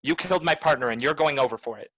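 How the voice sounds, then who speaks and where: A man's voice: a little high, fast talker, a bit bright. A man playing a cynical, blunt private detective in the manner of 1940s noir radio drama. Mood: bitter, resolute. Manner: blunt, accusing, tough. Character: hard-boiled, cynical male private detective.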